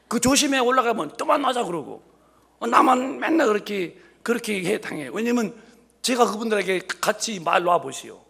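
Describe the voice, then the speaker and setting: A pastor in his late fifties preaches with a high, lively voice that leaps up and down as he jokes with his congregation. His tone is husky and gravelly, full of rhetorical questions and playful asides. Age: 50s. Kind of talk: humorous sermon. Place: church sanctuary.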